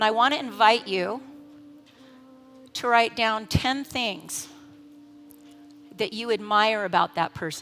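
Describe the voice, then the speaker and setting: Music plays in the background as a woman speaks with a fairly high pitch and fairly even intonation. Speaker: life coach. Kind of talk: guided meditation. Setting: live conference stage.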